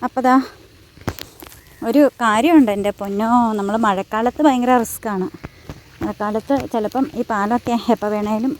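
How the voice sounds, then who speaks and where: A woman's voice: medium pitch, normal speed, slight background noise. A woman in her thirties from Kerala, a college lecturer, narrating her family vlog in a homely, chatty way. She teases and coos at her family, and she records outdoors on a handheld phone while walking home.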